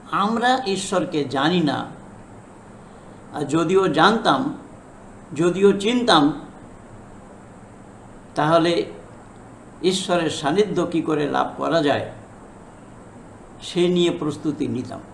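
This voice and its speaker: A man preaching a didactic sermon as a non-native learner of Bengali, halting and repeating phrases for emphasis. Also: fairly high pitch, creaky, a bit bright. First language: not a native Bengali speaker. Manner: halting learner's Bengali, self-described as broken. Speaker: religious preacher. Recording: echoey room with faint background noise.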